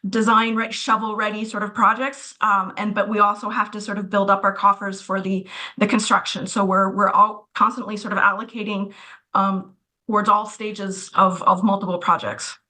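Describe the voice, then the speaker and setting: A woman's voice: mid-range voice, level tone, normal speed, bright, forceful tone. A woman on city staff explaining budget matters at a committee meeting in a casual way, with many fillers. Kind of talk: answering questions at a committee meeting.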